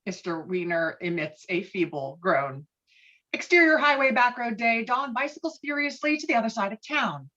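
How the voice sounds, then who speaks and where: A woman's voice: on the high side, lively intonation, normal speed, pushed and bright. A woman reading stage directions as scripted narration, heard through muffled call audio.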